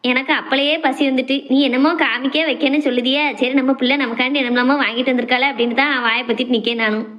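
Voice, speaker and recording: A woman playing a modest doting mother, high and quick. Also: fairly even intonation, fairly bright tone, muffled recording. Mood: fond. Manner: shy, scolding fondly. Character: middle-aged mother, soft-hearted and modest. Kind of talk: family drama skit.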